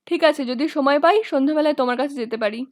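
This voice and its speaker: A woman voicing a calm, plain-spoken male party worker in a storybook. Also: sits high, fast, no room sound, studio quality, natural voice.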